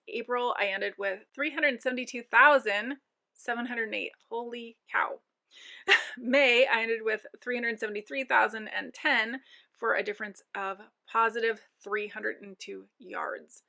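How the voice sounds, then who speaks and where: A woman's voice: medium pitch, vocal fry, pushed and bright. A woman vlogger chatting casually to camera about her yarn, reading off numbers with fillers, saying she is losing her voice. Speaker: knitting vlogger.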